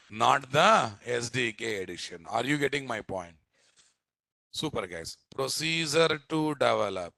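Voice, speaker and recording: Slow, forceful Telugu-accented Indian male instructor. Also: medium pitch, gravelly, dry recording. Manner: emphatic, repetitive, quizzing listeners with tag questions. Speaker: software instructor. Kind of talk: live programming lesson with repeated check questions.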